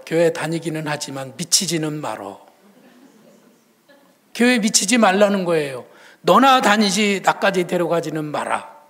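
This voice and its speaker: High-voiced male pastor telling stories. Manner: conversational storytelling, swings between loud and hushed. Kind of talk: sermon.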